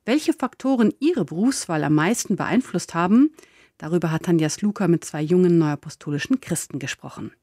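A woman presenting a church radio program, announcing in a measured, formal way. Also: on the low side, animated, dark tone, dry recording, studio quality.

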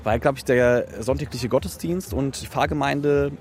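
A man who works as a youth pastor, answering interview questions outdoors in a calm, measured way. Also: mid-range voice, faint music behind. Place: outdoors at an event.

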